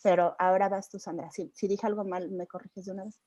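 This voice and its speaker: A woman, a film producer speaking in a relaxed, reflective way with many restarts. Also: medium pitch, fast talker, dry recording, lo-fi sound. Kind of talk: conversational talk at a seminar.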